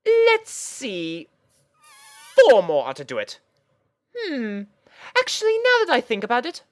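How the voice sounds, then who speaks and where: Woman as a refined, theatrical lady pony, very lively pitch. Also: no echo, clean studio sound, full character voice. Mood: fussy musing. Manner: affected, formal, dramatic. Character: refined, theatrical female pony dressmaker, fussy and gracious.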